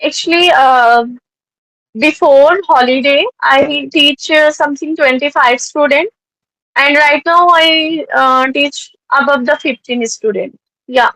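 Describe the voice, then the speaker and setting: A woman with an Indian accent speaks slowly and hesitantly, pausing on fillers as she chats. Her voice sits high. The sound is dry and close, with no room around it. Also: fairly bright tone, no echo, poor audio. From North India. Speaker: tutor practicing English conversation. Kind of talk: casual conversation practice.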